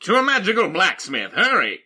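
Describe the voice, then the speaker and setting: An actor playing a brisk, bossy older knight in an animated audio fairy-tale comedy. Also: male voice, high voice, husky, full character voice. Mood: urgent. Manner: animated, dramatic.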